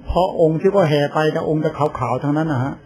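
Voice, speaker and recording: A man's voice: on the high side, quick pace, darkish tone, slight background noise. An older man, a Buddhist monk, giving an informal sermon in a chatty storytelling way, acting out other people's lines as he goes. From Thailand. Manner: chatty storytelling with laughs and quoted voices.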